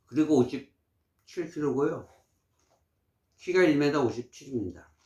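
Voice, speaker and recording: A man's voice: fairly high pitch, lively intonation, a little slow, a little mellow, highs cut off. A man in his sixties giving health advice in casual, emphatic, preachy talk to camera. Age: 60s. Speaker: vlogger. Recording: roomy echo.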